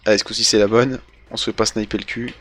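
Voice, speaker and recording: A man's voice: lowish voice, level tone, quick pace, fairly bright tone. A young French man doing casual live game commentary, rambling and hesitant as he goes. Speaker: game streamer.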